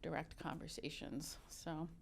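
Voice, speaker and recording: A woman's voice: low-pitched, measured pace, creaky, slightly rough. Candid woman in her fifties. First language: Arabic. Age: 50s. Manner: candid, animated storyteller with frequent restarts. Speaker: guest, religious educator and consultant. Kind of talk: casual interview talk.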